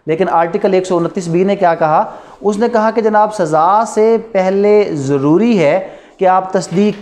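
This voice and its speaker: This law lecture comes from a man with a Pakistani accent whose voice is on the high side and slightly mellow. He teaches in a didactic manner, raising rhetorical questions and resolving them himself.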